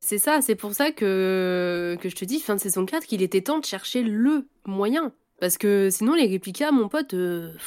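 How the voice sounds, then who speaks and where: On a very clean recording with a silent background, a woman speaks at a fairly slow pace and medium pitch with lively intonation. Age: 20s. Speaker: cosplayer and fan. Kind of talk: casual chat. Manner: animated.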